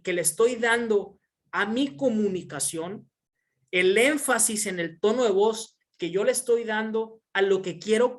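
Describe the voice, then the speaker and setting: A woman presenting an online sales training webinar, speaking emphatically and stressing single words for effect. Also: mid-range voice.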